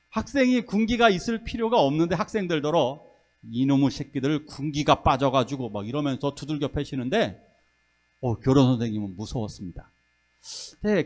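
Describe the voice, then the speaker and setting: Middle-aged pastor guy, high voice, really lively ups and downs, telling stories in his sermon. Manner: lively storytelling sermon, acting out quoted voices.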